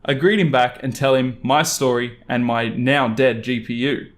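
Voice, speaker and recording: A man working as a storytelling narrator, reading an online story aloud in an animated style. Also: medium pitch, normal speed.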